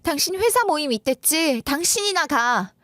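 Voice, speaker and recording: A woman voicing an exhausted working mother who angrily scolds her husband in a story radio drama, with shrill, rapid-fire complaints. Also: expressive, sharp tone, no room sound, clean studio sound, exaggerated voice. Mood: angry scolding.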